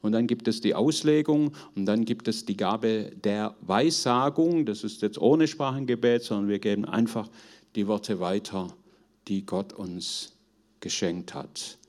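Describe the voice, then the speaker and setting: A middle-aged man teaching a group in an informal sermon, earnest and conversational, often halting as he searches for words. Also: on the low side, darkish tone. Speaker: preacher teaching on spiritual gifts.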